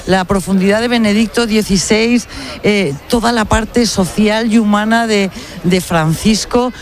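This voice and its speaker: A woman anchoring live radio coverage, chatty and animated, with many restarts as she hands over to reporters. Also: mid-range voice, measured pace. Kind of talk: live broadcast commentary.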